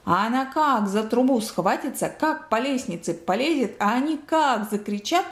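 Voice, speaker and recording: Casting: woman voicing a nonstop chatterbox little boy, excited, higher voice, roomy echo. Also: normal speed.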